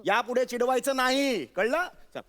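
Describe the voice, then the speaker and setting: A man's voice: very high voice, normal speed, dry recording. A stern, bumbling father-in-law. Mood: lecturing. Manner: scolding, repeats himself, sudden teasing. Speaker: comic actor. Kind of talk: stage comedy sketch. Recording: loud background noise.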